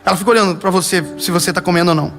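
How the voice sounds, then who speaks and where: A young man preaching in Brazilian Portuguese, telling a story and swinging from rising emphasis to low, hushed lines. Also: steady tone, racing, creaky, soft background music. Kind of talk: sermon with a story.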